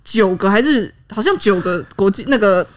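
A woman co-hosting a casual language-lesson podcast, chatty, animated, and quick to laugh. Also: mid-range voice. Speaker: podcast co-host teaching Japanese and Korean.

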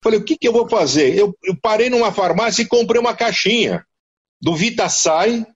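An older Paulistano man with a husky voice set high, telling radio stories with sudden jumps in pitch. His delivery is animated and full of asides. The sound is dull and lo-fi, as from an online call. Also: normal speed. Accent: Paulistano from Mooca. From São Paulo, Brazil. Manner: animated storyteller, leaps in pitch for emphasis. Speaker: veteran radio broadcaster, guest. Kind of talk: casual storytelling interview over an online call.

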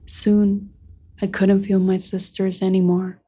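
A woman voicing an earnest young maize plant reborn as a human, narrating a first-person story in a deliberate, emotive way. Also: mid-range voice, monotone, warm tone, husky. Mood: sorrowful. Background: music.

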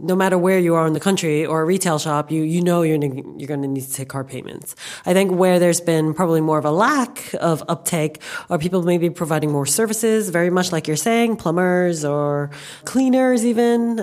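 An American woman from New York, a banking professional, appears as a podcast guest in a casual panel discussion. Her low, slightly mellow voice is chatty and emphatic, and she often repeats words for stress.

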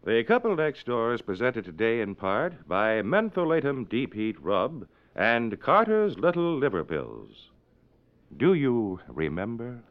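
A man's voice: medium pitch, big pitch swings, a little slow. A man working as a 1950s radio announcer, reading scripted introductions and sponsor copy. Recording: dull 1950s radio recording.

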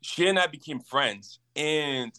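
Young guy from liberia, bright forceful voice, earnest and animated as he tells his story on a podcast. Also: on the high side, takes it slowly, clean tone. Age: 20s. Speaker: campus minister, guest. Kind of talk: casual interview storytelling.

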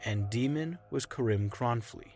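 A man reading scripted narration in a measured, formal manner and hosting the show's credits. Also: mid-range voice, darkish tone. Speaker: narrator and podcast host. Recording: music under the narration.

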